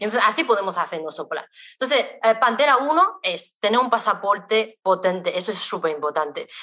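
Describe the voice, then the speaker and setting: A woman's fairly high voice with a Chinese accent, bright and sharp in tone, lively in intonation, at a moderate pace. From China. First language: Chinese (speaking Spanish). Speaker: software developer. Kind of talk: webinar talk.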